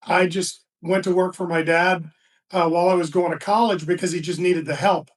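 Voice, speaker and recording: A man in his sixties talks through stories in a relaxed, meandering way, pausing and restarting often. His voice sits high for a man. He is heard from a distance, away from the mic. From Florida, USA. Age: 60s. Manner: relaxed storyteller with many restarts and fillers. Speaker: guest, business founder. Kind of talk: casual interview talk.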